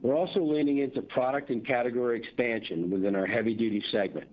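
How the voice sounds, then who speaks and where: Man, mid-pitched voice, formal executive delivery, scripted earnings presentation, muffled band-limited call audio. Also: fairly even intonation. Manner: formal, measured corporate delivery. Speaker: company executive presenting quarterly results.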